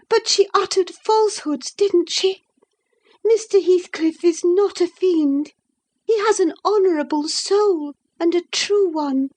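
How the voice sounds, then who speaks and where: Woman playing tearful lovestruck girl, shrill and high, pleading. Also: darkish tone. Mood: sobbing. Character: infatuated young girl, indignant and tearful. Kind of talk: audiobook dialogue reading.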